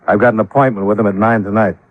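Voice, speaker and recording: An actor playing a cool, shrewd, laconic insurance investigator in 1950s radio detective style. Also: male voice, lowish voice, fairly even intonation, rapid-fire, dry recording, natural voice. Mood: cool, guarded. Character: cool, wry, shrewd male insurance investigator narrating his case. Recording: dull lo-fi old radio recording.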